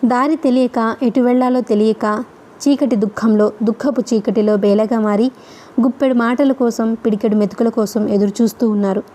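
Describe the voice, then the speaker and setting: A woman voicing a thoughtful young woman student who speaks in a steady, reflective way. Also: on the high side, moderate pace, close to an everyday voice. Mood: calm, reflective.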